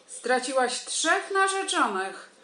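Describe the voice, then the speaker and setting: An actress plays a stern female army major in a radio comedy. Her voice is bright and fairly high, with clipped, commanding, deadpan questions. It is a roomy home recording with some music. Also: slow pace, heavily acted.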